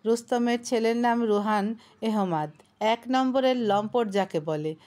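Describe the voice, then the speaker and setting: A young woman reads a story aloud in a fairly high voice. Her narration is expressive and scripted, with lively storytelling. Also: a little slow.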